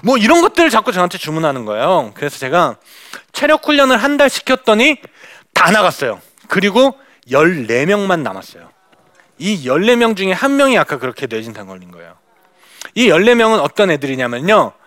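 A woman's voice: fairly low pitch, very animated, fairly quick, fairly bright tone, no echo, studio quality. A woman missionary giving a testimony talk to a church audience, speaking to them directly and acting out the dialogue she recalls. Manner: addresses the audience directly, acts out quoted dialogue.

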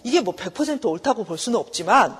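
A woman's voice: fairly high pitch, expressive, fast. A middle-aged woman professor giving a counseling lecture, acting out mothers and children in quoted voices. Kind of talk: recorded lecture. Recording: long hall reverb.

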